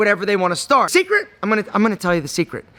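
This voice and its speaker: This man has a raised, projected voice with a bright, sharp tone, an energetic delivery and lively intonation. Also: dry, close sound with no echo. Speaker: men's style YouTuber and entrepreneur. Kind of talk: casual vlog talk to camera. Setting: walking through a warehouse. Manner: loud.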